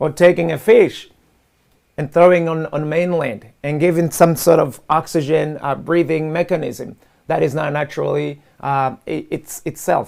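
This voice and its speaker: A man speaks with a Rwandan accent at a fairly high pitch. His intonation stays fairly even. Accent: Rwandan, noticeable. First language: Kinyarwanda. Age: 40s. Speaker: talk show host. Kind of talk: live talk show monologue. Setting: live online studio via Zoom. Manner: halting, many fillers and restarts.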